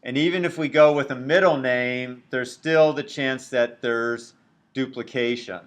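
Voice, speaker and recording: A middle-aged man with a big, loud voice, giving a recorded university lecture while writing on a tablet, slow and deliberate. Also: mid-range voice. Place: at a computer, screen recording.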